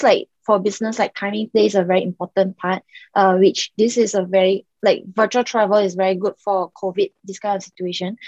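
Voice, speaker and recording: A woman's voice: mid-range voice, a little mellow, dry recording, muffled recording. A young Singaporean woman, a startup founder, chatting casually as a podcast guest and leaning on "like" and "um". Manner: chatty, many "like" and "um" fillers.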